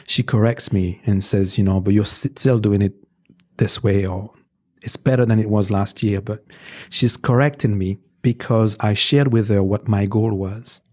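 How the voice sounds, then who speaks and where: A French-native man speaking in a low, warm, mellow voice, recorded dry and close. He talks earnestly in a casual conversation, circling back with "you know" asides and restarts as he works through practical advice. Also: steady tone, normal speed, no room sound. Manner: gives practical advice, sometimes pointed. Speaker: guest, movement teacher.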